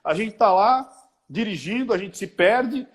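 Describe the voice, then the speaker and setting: A Brazilian man talks through his ideas in an interview, lively and conversational. He keeps slipping into little acted-out quotes of everyday people. His voice sits fairly high and swings widely in pitch. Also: measured pace. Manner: animated, acts out little quoted dialogues. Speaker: body-language expert.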